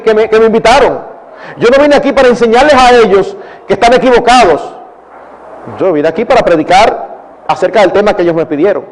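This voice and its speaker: A man's voice: high voice, a little hiss or hum, low-quality recording. An older man with a Dominican accent, a pastor answering questions at a church conference, earnest and digressive, calling the audience brothers. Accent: Dominican Spanish. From Dominican Republic. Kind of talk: conference Q&A talk.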